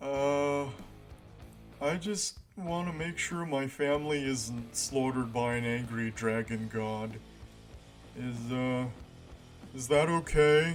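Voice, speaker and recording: A man performs in a put-on character voice at medium pitch. He goes at a fairly slow pace with long, frequent pauses, while clear music plays in the background. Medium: audio drama. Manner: casual, unsure.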